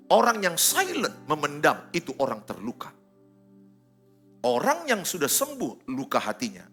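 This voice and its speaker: Lively, bright-voiced man preaching a sermon. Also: fairly high pitch. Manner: animated, teasing the congregation, swings from loud exhortation to soft quoted asides. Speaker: pastor. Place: church service before a congregation.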